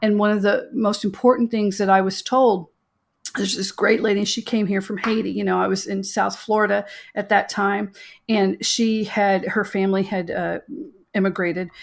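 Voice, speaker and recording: A woman with an American accent and medium pitch speaks at a moderate pace in a monotone, flat intonation. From Texas. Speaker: entrepreneur and business consultant. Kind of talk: interview testimony. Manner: polished business voice.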